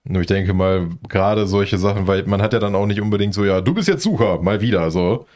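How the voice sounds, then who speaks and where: Lower-voiced man thinking out loud. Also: a little fast. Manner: rambling, thinks aloud with fillers. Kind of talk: casual gaming chat.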